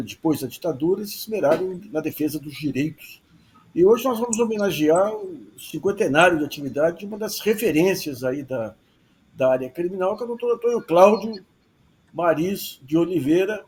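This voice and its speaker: Halting male journalist host. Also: a little high, darkish tone. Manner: hesitant, repeats small words, many fillers. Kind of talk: interview questions.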